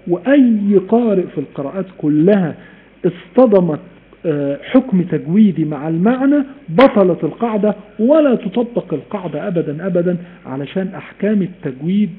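Egyptian male recitation teacher, live-stream lesson, animated, quizzes listeners, tinny phone-like audio. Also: sits high, a little hiss or hum. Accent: Egyptian Arabic. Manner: animated, repeats key points, asks students questions.

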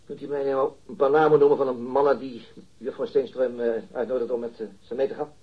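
An actor in a radio drama playing a blunt, persistent police interrogator with a brusque, formal way of questioning. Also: male voice, mid-range voice, little pitch movement, brisk, breathy edge, close to an everyday voice. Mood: insistent. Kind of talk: acted radio drama dialogue. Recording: dull, muffled lo-fi radio recording.

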